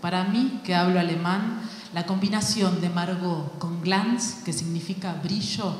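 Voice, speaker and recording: Woman reading an essay in a hall. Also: lowish voice. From Argentina. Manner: measured, literary delivery with deliberate pauses. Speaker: panelist, actress and playwright. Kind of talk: reading a prepared essay aloud. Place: large hall at a panel event. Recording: very echoey hall, faint background noise.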